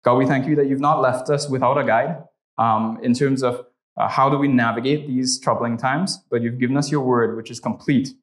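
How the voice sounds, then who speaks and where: His medium-pitched voice keeps a steady tone and normal speed as he teaches a church class and leads a prayer. The young Trinidadian speaker has a Trinidadian accent and talks conversationally, saying "right?" a lot.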